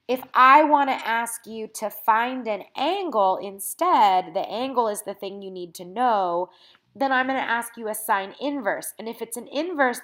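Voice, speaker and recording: A woman teacher with a mid-pitched voice, a little congested and sniffly, talking through a math lesson into a computer mic. She explains patiently and keeps checking in with her students as she works through the notes. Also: fairly bright tone. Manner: patient, explanatory, frequent "okay?" check-ins. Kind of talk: recorded math lesson over scanned notes.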